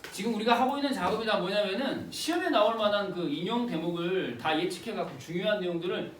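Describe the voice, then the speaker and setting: A male teacher giving an exam-prep literature lecture in an animated, slangy way, quizzing his students with rhetorical questions. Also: sits high, fast talker. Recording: roomy, distant with faint hiss.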